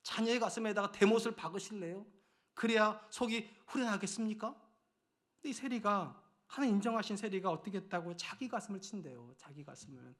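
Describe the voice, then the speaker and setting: A middle-aged man preaching a Sunday sermon as senior pastor. He swings between loud, urgent pleading and hushed near-whispers. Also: high-pitched, fairly quick.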